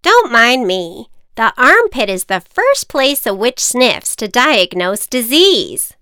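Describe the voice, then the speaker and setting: A woman's voice: on the high side, very animated, slow pace, bright, forceful tone, clean tone, no room sound, clean studio sound, pitched above the performer's own voice, exaggerated voice. A woman voicing a quirky wicked witch who speaks with confident, matter-of-fact authority in a children's storybook. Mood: bossy, matter-of-fact.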